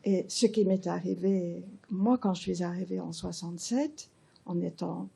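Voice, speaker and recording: An older woman in the audience speaks up at a talk. Her voice is gravelly and husky, with a dark tone. She pauses often and chooses her words carefully. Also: fairly low pitch. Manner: thoughtful, measured, with pauses. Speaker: audience member.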